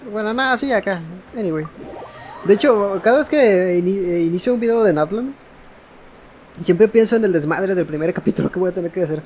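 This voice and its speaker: A man's voice: sits high, fast talker, a little mellow, a little hiss or hum. A man with a Mexican accent giving casual commentary as he plays a video game. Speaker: gamer narrating his playthrough. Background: game music.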